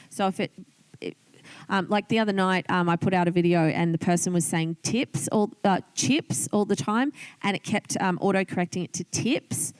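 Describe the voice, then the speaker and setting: Smooth, low-voiced Australian woman teaching informally. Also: dry recording. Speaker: online business coach teaching video tips. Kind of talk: informal tutorial, talking through a screen demonstration.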